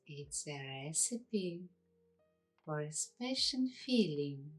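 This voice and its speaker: Female ASMR meditation guide, slightly low register, extremely slow and hushed delivery with long pauses, soft music behind. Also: big pitch swings, slightly rough. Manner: hushed, unhurried, with long pauses between short phrases.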